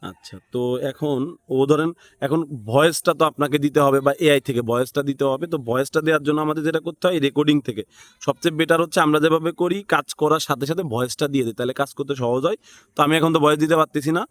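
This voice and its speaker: A man's voice: fairly high pitch, fairly even intonation, very fast, dry recording. A man with a Bangladeshi accent teaching an informal step-by-step screen tutorial, thinking aloud and checking in with listeners. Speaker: tutorial instructor.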